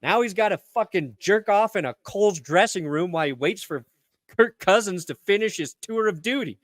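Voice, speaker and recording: A man with a notably high voice rants bluntly as a sports co-host. The sound is dry and close, and his talk is casual and profane. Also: animated, moderate pace, dry recording.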